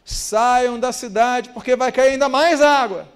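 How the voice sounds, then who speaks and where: A man's voice: very high voice, a little slow, clear, resonant tone. A man voicing a city rescue worker urging flood victims to leave. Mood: urgent. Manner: urgent warning.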